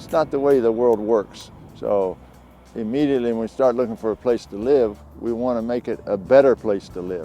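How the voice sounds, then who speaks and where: A man with an American accent speaks fairly quickly at a medium pitch. His intonation stays fairly even, with music in the background. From Kansas. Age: 70s. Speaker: sculptor and glass artist. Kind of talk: interview monologue. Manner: casual, hesitant with fillers.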